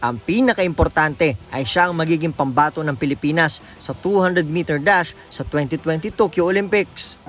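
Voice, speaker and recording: A man with a Filipino accent reading scripted documentary narration as a reporter. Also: fairly high pitch. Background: music bed.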